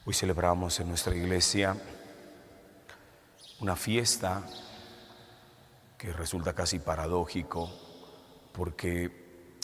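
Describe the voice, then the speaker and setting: A man, a Catholic priest, reading the gospel and preaching a homily in a church, his voice carrying a cathedral echo. He speaks in a measured way and poses rhetorical questions. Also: low voice, level tone, fairly bright tone. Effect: cathedral echo, long church reverb. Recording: long church reverb, faint hiss.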